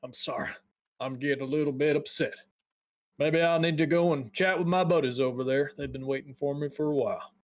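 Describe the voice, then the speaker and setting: A man's voice: on the high side, fairly quick, lightly acted. A man doing a bitter, grumbling woodcutter. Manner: grumbling, coarse, resentful. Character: bitter working-class male woodcutter villager.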